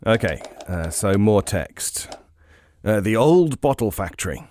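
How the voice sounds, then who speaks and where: A man's voice: on the low side, sing-song, unhurried, darkish tone. A man playing a laid-back, sardonic podcast co-host giving casual game commentary in an audio drama. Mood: absorbed, sardonic. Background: music.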